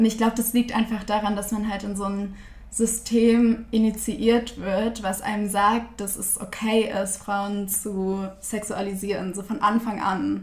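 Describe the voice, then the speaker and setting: A woman's medium-pitched, flat monotone at a fairly slow pace, over noticeable background noise. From Germany, bilingual with English mother. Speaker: podcast guest. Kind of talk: casual chat. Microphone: poor sound quality.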